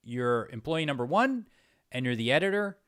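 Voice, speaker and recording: A male interviewer with a mid-pitched voice, recorded close and dry. He keeps things casual and conversational, attentive to his guest. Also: very animated, normal speed, fairly bright tone, smooth, no echo. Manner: attentive, frequent short acknowledgements. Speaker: interviewer, host.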